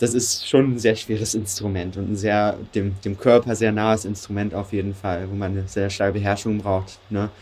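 This man has a plain, everyday voice. He keeps a moderate pace. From northern Germany, Lower Saxony (Salzgitter). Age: 20s. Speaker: music producer and sound engineer. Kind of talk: interview, casual chat.

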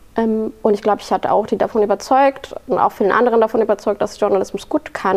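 Over noticeable background noise, a woman talks at a very fast pace with fairly even intonation. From abroad, migrant to Germany. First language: not German (speaking German). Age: 20s. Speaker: journalist. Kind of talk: interview.

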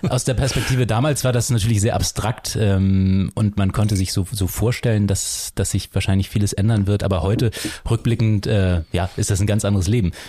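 On a very clean recording with a silent background, a man with a fairly low pitch and a dark, mellow tone speaks at a fairly quick pace, somewhat breathy, with very even loudness and fairly even intonation. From northern Germany, Flensburg. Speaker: former pop musician. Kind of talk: casual interview.

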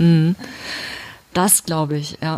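A woman is speaking. Her pace is very slow. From northern Germany, Oldenburger Münsterland. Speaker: podcast host, radio presenter. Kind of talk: interview.

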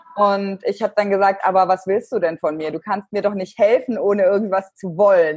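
In a normal speaking voice, a woman of medium pitch talks at a fairly quick pace with fairly even intonation, the sound dry and close with no echo. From Germany. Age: 30s. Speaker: virtual assistant. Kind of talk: interview.

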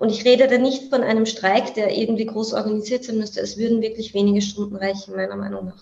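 A woman's very fast, flat monotone speech with hardly any pauses over noticeable background noise. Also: fairly high pitch for a woman. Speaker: author and labour activist. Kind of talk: interview.

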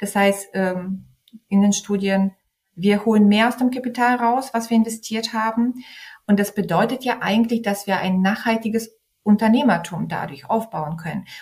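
A woman with a Bulgarian accent speaks at a moderate pace with a fairly high pitch. Her voice is somewhat breathy, with fairly even intonation. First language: Bulgarian (speaking German). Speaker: entrepreneur. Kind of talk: podcast interview. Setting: office.

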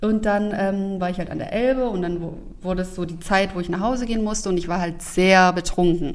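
A woman with an unremarkable speaking voice talks at a medium pitch and a fairly quick pace, with fairly even intonation and hardly any pauses. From Dresden, Saxony. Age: 30s. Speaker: police officer and former beauty queen. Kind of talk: casual interview. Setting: remote call.

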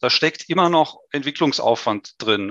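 A man with an ordinary speaking voice and fairly high pitch talks at a moderate pace. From Westphalia, Germany. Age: 30s. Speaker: innovation consultant. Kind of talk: interview.

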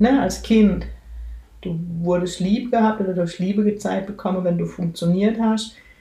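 Audible echo from the room, a moderate pace, and fairly even intonation. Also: woman. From Kurpfalz, southwest Germany. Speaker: spiritual medium, podcast host. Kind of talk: solo podcast monologue. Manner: casual, chatty.

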